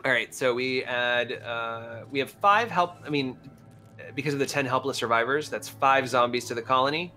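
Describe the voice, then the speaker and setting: A man with a bright, forceful voice at a middle pitch, chatting casually through a board game. He is joking and animated, with faint music behind him. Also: moderate pace. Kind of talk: casual tabletop game chat.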